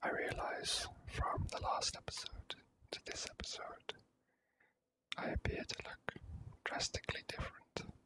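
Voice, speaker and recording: A whispering host giving ASMR commentary on a video game playthrough, hesitant and measured, with formal wording. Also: rough recording.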